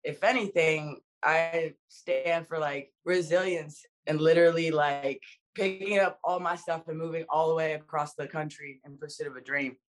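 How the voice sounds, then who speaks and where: A young woman from the Dominican Republic, guest in an interview, talking in a casual, slangy, animated way. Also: deep voice, normal speed. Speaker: actress guest.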